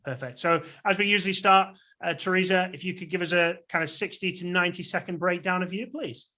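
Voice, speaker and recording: A man's voice: high voice, fairly quick, bright, forceful tone. A man hosting a podcast, asking interview questions in a polite, upbeat way. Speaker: podcast host.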